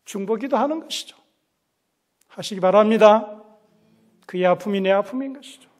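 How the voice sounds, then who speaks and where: A man preaching a sermon as a pastor, emphatic and repeating key phrases, swinging between loud exclamations and hushed asides. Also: high voice, normal speed. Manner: repeats key phrases and puts questions to the congregation. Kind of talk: Korean Protestant sermon. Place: church service.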